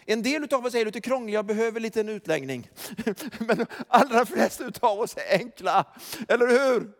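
A man preaching a sermon as pastor, emphatic, swinging from quiet asides to shouted declarations and chuckling often as he tells the story. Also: extremely high pitch, expressive. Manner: chuckles often while telling. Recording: long reverb of a large hall.

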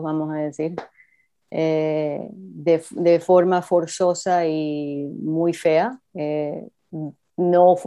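A woman's voice: low-pitched, warm tone. A woman with a mixed Cuban and Argentine Spanish accent, chatting casually as a guest. She hesitates often with fillers and slips in English phrases. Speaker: interview guest. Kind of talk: casual conversation. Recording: dull lo-fi recording.

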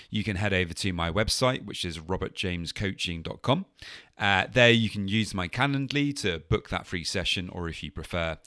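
Man, very low voice, dry close mic, friendly host, lots of uhs. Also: sharp tone, no room sound. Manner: friendly, many uhs and restarts. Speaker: podcast host and coach. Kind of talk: podcast intro and interview.

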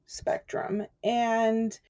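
A woman's voice: a little high, level tone, very slow, dark tone, clean tone. A woman guest who grew up speaking Spanish, chatting casually in an interview and telling her story with lots of laughter. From California.

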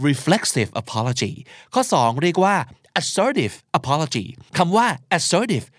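A man's voice: fairly high pitch, drawn-out words, dry recording, clean studio sound. A man who speaks Thai as his first language, hosting a casual podcast lesson, explaining English phrases and reading out examples in a playful way. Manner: switches between Thai and read-out English examples; playful, animated emphasis. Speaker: podcast host teaching English.

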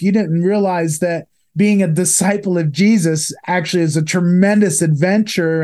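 A man's voice: high-pitched, darkish tone. A man hosting a Christian podcast, interviewing a guest with enthusiastic, affirming remarks and long reflective questions. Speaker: podcast host.

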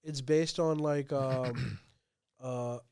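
A man's voice: mid-range voice, fairly even intonation, extremely slow, vocal fry, dark tone, clean tone, no echo, clean studio sound. A man from Pakistan whose first language is Urdu, co-hosting a podcast and explaining things in a casual, talkative way. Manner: explanatory, speaks in long informal runs with fillers. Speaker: podcast co-host.

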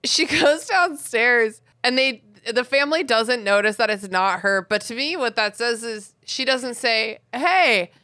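A woman's voice: a little high, sharp tone, no room sound. A woman co-hosting a podcast, chatting casually and laughing as she retells a story. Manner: laughing, playful, slow and drawn out. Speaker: podcast co-host. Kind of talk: casual chat, reading and mocking a story.

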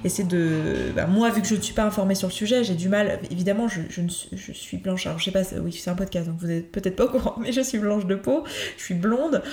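A woman's voice: mid-range voice, dark tone, reverberant. A woman hosting her own coaching podcast, talking earnestly and hesitantly, with many fillers and restarts. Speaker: podcast host, certified coach. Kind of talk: solo podcast talk.

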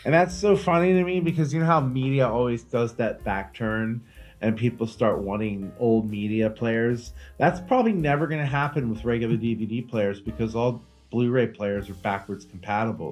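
A man co-hosting a comedy podcast, trading deadpan jokes and telling rambling stories in casual chat. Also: mid-range voice, normal speed, soft background music. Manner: deadpan joking, rambling storytelling. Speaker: podcast co-host.

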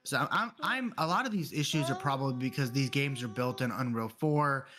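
A man co-hosting a casual gaming podcast, talking in a halting way with stammered restarts. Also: mid-range voice, animated, bright, forceful tone. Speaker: podcast co-host.

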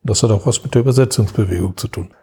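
A man with a lowish, husky, dark voice talks very fast as an expert interview guest, lecturing on history. In this academic interview talk he frequently restarts and searches for words.

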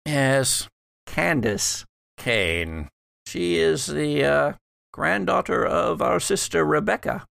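A man's voice: fairly high pitch, lively intonation, takes it slowly, creaky, fairly bright tone, no echo, full character voice. A man playing a regretful dead ancestor in a gothic tabletop story, speaking in hesitant, broken phrases. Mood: halting, grave.

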